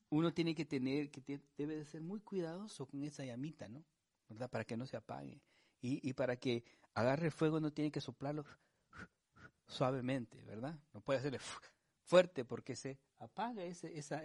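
A man delivering a sermon in a relaxed, conversational teaching style, often checking in with his listeners through short tag questions. His voice sits in an ordinary middle register, and he slows down and presses on the words when he reads scripture. The recording is close and dry, with almost no room sound. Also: mid-range voice, no room sound. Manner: reads scripture slowly and with emphasis. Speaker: preacher. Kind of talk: sermon, Bible study teaching.

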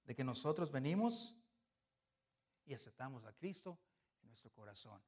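A man with a Mexican Spanish accent delivers a sermon as a pastor. His voice swings between loud, emphatic bursts and soft, low asides, and he chuckles through his personal stories. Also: very animated, moderate pace.

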